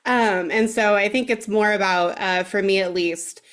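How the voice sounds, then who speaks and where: A woman's voice: mid-range voice, normal speed, a bit bright. A woman on a panel speaking casually and frankly, with laughs between her points. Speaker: panel guest.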